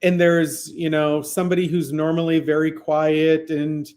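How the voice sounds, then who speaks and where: A man filmmaker in an interview, speaking in a measured way and building on his partner's points. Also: a little high, little pitch movement, darkish tone. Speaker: filmmaker, co-guest. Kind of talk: conversational interview.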